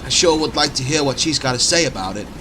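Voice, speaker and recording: A man playing a chatty, excitable small-town fellow in an audio drama, talking in a folksy, eager way. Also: mid-range voice, quick pace, very noisy, close to an everyday voice. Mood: gossipy, curious. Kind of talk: amateur audio drama dialogue.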